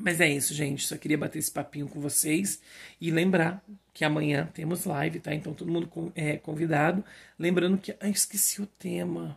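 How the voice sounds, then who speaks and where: A man talks at a moderate pace in a fairly high pitch with vocal fry. His intonation stays fairly even. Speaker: vlogger. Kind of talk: casual chat.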